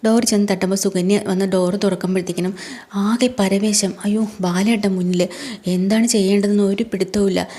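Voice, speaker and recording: Woman narrator, casual story recap, chatty colloquial fillers, mellow warm voice. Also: mid-range voice, steady tone, a little fast.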